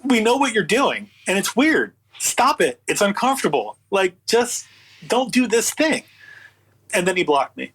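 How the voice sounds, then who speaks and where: A man's voice: sits high, unhurried, a little hiss or hum, poor audio. A man telling a story casually as an interview guest, incredulous and sardonic, acting out the conversations he quotes. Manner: animated retelling with acted-out quotes, incredulous and sardonic. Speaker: interview guest, audio book producer.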